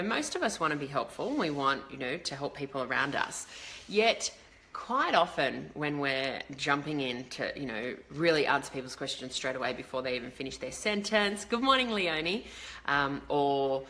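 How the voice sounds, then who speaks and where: Her voice is a bass, bright and forceful, with a slight crackle. Working as a leadership coach, she talks in a chatty, rambling way to a live online audience and greets viewers in the middle of her thoughts.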